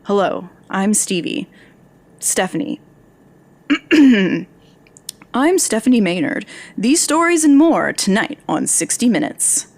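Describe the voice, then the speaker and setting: An actress playing a young journalism graduate, dry, sarcastic and curious, in a naturalistic audio drama. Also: female voice, medium pitch, sing-song, slow pace, vocal fry, pauses often, a little mellow, heavily acted. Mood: tentative, mock-serious. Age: young adult.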